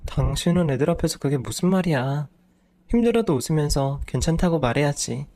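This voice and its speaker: A man's voice: on the high side, expressive, brisk. A man voicing an exasperated wife who nags her husband sharply, in a storybook reading. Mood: scolding. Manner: scolding, sharp-tongued. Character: exasperated nagging wife, woman in her thirties.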